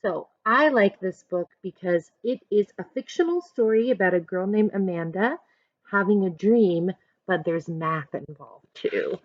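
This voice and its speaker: At medium pitch and a slightly slow pace, a woman teacher reads a picture book aloud, expressively and instructively, stopping now and then to speak to the children directly. The recording has no echo but sounds muffled.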